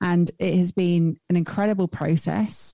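A woman's fairly low, dark, mellow voice at a fairly slow pace on a very clean recording with a silent background. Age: 40s. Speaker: life purpose coach. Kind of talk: interview.

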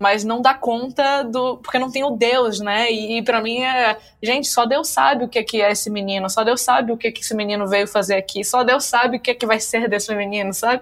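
With hardly any pauses, a woman talks at a fairly quick pace and a fairly high pitch in an ordinary speaking voice. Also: fairly even intonation. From Bahia, Brazil (Salvador). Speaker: journalist and scriptwriter. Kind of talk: book club discussion.

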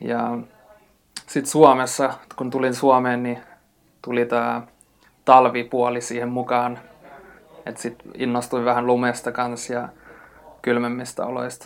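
The speaker talks at a fairly slow pace in a flat monotone, leaving long, frequent pauses while the loudness swings widely. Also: man, medium pitch for a man. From Spain. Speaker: mountaineer and hiker. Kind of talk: casual interview. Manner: halting.

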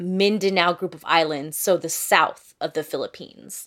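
A woman with a fairly low pitch speaks in a bright, sharp and animated tone at a fairly slow pace. The recording is very clean, with a silent background. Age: 30s. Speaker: travel podcaster. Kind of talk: casual interview chat. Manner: animated, laughing often.

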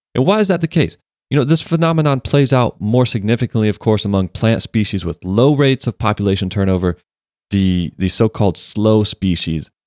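Recorded with a dry, close sound and no echo, a man with an American accent uses a plain, everyday voice, speaking at a fairly quick pace with fairly low pitch and lively intonation. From US South, Georgia. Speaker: podcast co-host. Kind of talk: casual discussion podcast.

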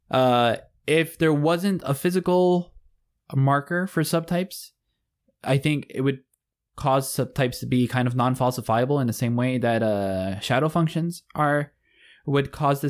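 Speech comes in an unremarkable speaking voice at a moderate pace, with ordinary pitch variation. Loudness is very even on a very clean recording with a silent background. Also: man, fairly high pitch for a man. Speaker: podcast host and editor. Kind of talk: casual chat.

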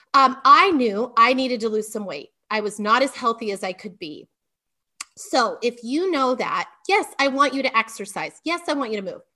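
At a moderate pace, a woman speaks in a high, bright, sharp voice with very wide pitch swings and big swings in loudness. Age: 40s. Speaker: health and fasting coach. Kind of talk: casual interview. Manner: chatty.

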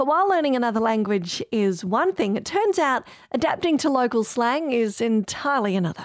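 With an Australian accent, a woman with a high pitch talks at a fairly quick pace, her pitch swinging very widely while her loudness stays very even. The recording is very clean, with a silent background. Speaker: podcast host. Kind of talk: scripted narration and interview.

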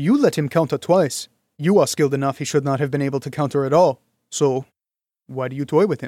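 In a put-on character voice, a man speaks fairly high and fairly quick on a very clean recording with a silent background. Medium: read story. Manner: calm, formal, quiet.

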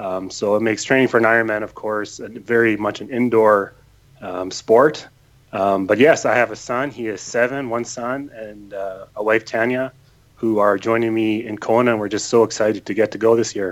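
Speaking at a moderate pace with fairly even intonation, a man with a Canadian accent has a normal speaking voice. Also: medium pitch for a man. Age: 30s. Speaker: age-group triathlete. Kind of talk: interview. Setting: video call.

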